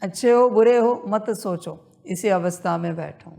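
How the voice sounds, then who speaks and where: A woman leading a guided meditation, repeating her instructions in a slow, insistent spiritual talk. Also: medium pitch, creaky, darkish tone.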